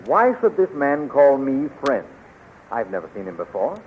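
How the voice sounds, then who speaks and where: An actor playing a heroic, earnest young space adventurer, eager and declamatory, in a 1930s radio serial on an old recording. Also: male voice, medium pitch, sing-song, moderate pace, phone-quality sound, slight background noise, lightly acted. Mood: puzzled. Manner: eager, declamatory, puzzled and sincere.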